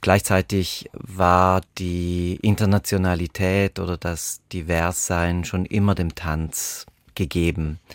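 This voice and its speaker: Over a very clean, silent background with a dry, close sound and no echo, a man speaks at a very slow pace in a very deep, low pitch with monotone intonation. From eastern Switzerland, St. Gallen. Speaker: choreographer. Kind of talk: radio interview.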